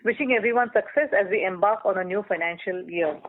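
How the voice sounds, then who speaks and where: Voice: mid-range voice, a little hiss or hum. Executive on a tinny phone line. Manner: formal, measured corporate reading. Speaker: company executive presenting results. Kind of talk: scripted earnings call presentation. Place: telephone conference call.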